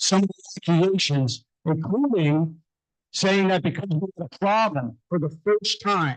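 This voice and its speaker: The voice is loud and fairly slow, with ordinary pitch variation. The sound is dry and close, without echo. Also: man. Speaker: city council member. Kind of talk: council meeting remarks.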